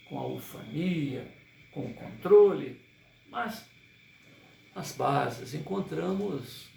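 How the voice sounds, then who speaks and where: A man's voice: fairly high pitch, vocal fry, darkish tone, a little hiss or hum, heavily acted. A man reading an earnest young preacher. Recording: roomy, distant mic, crickets and frogs.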